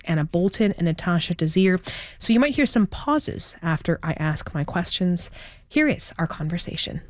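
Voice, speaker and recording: A woman hosting a news radio show from a studio, giving steady, clear introductions. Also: lowish voice, no echo. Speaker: radio host.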